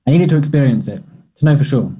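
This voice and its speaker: A man playing an awkward, earnest young gay man who is apologetic and unsure, speaking haltingly in a play table read. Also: mid-range voice, animated, mellow, slightly rough. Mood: hesitant, uneasy. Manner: hesitant, halting.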